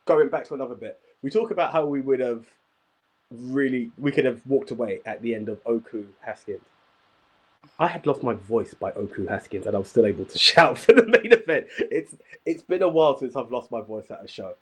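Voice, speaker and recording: Guy hosting a wrestling chat, kinda husky voice, keeps hammering the point home. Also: medium pitch, animated, a little fast. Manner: emphatic, repeats himself for emphasis. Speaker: wrestling review show host. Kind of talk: casual podcast chat.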